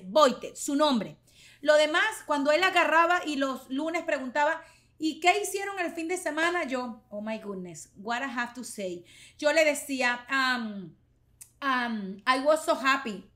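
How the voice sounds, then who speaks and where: A lively woman in her forties, high-pitched and bright, spins a casual story into a studio mic. She laughs often and talks with her hands the whole time. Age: 40s. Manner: animated, laughing, gesturing with both hands. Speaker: podcast host. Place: small studio with purple backdrop. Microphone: studio microphone with headphones.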